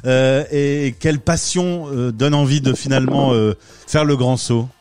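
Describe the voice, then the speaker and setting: Un homme qui anime un podcast et interroge son invitée sur un ton enjoué et taquin, avec un français. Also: male voice, mid-range voice, steady tone, normal speed, a little mellow, smooth, faint music behind. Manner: playful, teasing. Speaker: podcast host.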